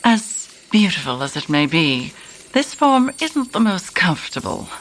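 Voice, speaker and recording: Arch, poised telepath woman, dry wit, slightly low pitch, measured pace, audio drama. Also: very animated, fairly bright tone, heavily acted. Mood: reluctant, dry. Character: poised, haughty, wry telepathic aesthete woman.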